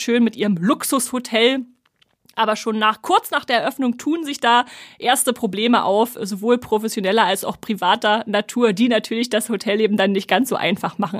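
A woman co-hosts a casual podcast chat, presenting new series in an upbeat, chatty way with plenty of fillers. Her medium-pitched voice is recorded dry, with clean studio sound.

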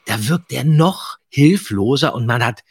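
A man co-hosting a casual podcast discussion, emphatic and quick to agree. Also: medium pitch, lively intonation, slightly rough, dry recording. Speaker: podcast co-host.

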